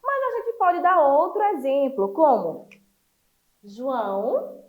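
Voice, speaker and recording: A woman teacher from Brazil giving an online class to children, lively and encouraging, explaining step by step. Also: very high voice, unhurried, narrow, tinny audio.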